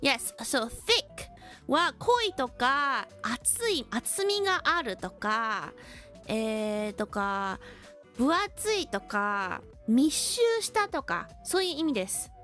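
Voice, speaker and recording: A woman with a high, light voice teaches English vocabulary on a stream, switching between slow, deliberate English and quick casual Japanese. She answers chat with easy laughs, and faint music plays behind her. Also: very animated, sharp tone. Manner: chatty, laughs often, reads chat comments. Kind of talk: bilingual English lesson stream.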